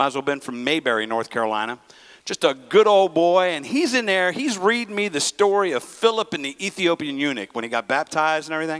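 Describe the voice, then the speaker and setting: Very fast and animated, a man talks at a fairly high pitch with lively intonation. The recording is very clean, with a silent background. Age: 50s. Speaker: comedian. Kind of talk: stand-up.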